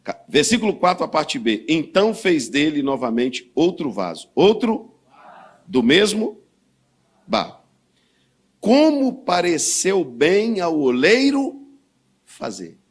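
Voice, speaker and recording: A man with a Brazilian Portuguese accent preaching a sermon, swinging between low, quiet stretches and loud, fiery bursts. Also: big pitch swings, takes it slowly, long pauses, slightly rough. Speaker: pastor.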